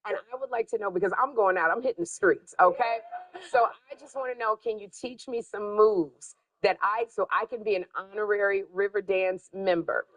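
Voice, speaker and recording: A woman's voice: medium pitch, moderate pace, poor audio. A woman hosting a TV show segment, bubbly and playful, exclaiming as she chats with guests in a studio. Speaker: TV morning show host. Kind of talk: lively TV segment chat.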